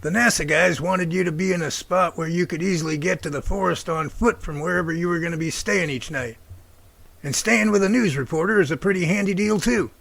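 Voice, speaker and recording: A man's voice: high-pitched, a little fast, vocal fry, a bit bright, no echo, full character voice. A man playing a fatherly older professor in an amateur radio drama, folksy and encouraging.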